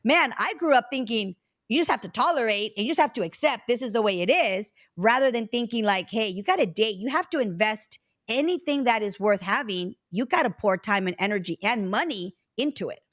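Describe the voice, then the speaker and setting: A woman in her forties from Mexico, hosting a casual interview chat and telling stories in a reflective, drawn-out way. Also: fairly high pitch, expressive, fairly bright tone. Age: 40s. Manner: reflective, storytelling, drawn-out phrasing with fillers. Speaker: podcast host.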